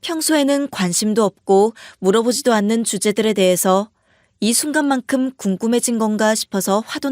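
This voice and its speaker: A woman's voice: medium pitch, a little mellow, no echo, clean studio sound. A woman narrating a scripted first-person story in a confiding way.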